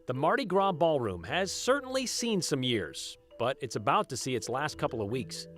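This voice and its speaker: A man's voice: medium pitch, very animated, moderate pace, fairly bright tone. A male news show host reading promotional teasers as a voice-over, with music behind him.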